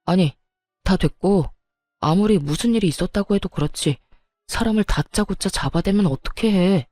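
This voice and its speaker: A woman voicing an angry young husband who shouts at his mother in defense of his pregnant wife, in a narrated story. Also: medium pitch, normal speed, no echo, soft background music, lightly acted. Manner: shouting, exasperated. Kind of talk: storytelling narration with acted dialogue.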